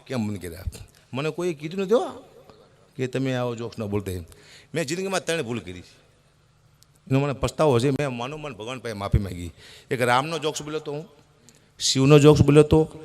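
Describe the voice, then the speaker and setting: A middle-aged man, an animated folk comedian telling stand-up jokes at a gathering and shouting his punchlines. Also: mid-range voice, a little fast, long pauses.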